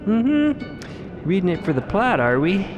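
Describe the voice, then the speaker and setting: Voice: medium pitch, sing-song, slow, muffled recording, music in the background. A performer playing a teasing, breezy female timekeeper in an audio drama. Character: teasing female timekeeper colleague named Madeline.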